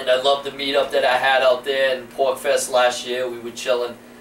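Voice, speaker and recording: A man speaks at a moderate pace. Light background noise and audible room echo are present. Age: 40s. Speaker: police accountability activist. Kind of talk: casual vlog update. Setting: home media room. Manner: halting, many fillers. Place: home room. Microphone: camera far.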